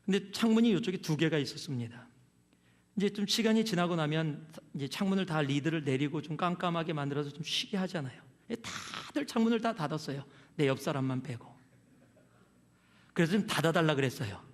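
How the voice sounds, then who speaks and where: A man's voice: on the high side, lively intonation, brisk, in a large hall. A man preaching a sermon as a pastor, telling stories and asking the congregation questions in a conversational way. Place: church sanctuary.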